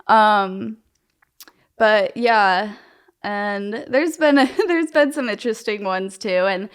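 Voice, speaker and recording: A woman's voice: medium pitch, slow, smooth. A young woman talking casually as an interview guest, loose and chatty with frequent "like" and "um" fillers. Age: young adult. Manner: chatty, loose, heavy use of "like" and "um".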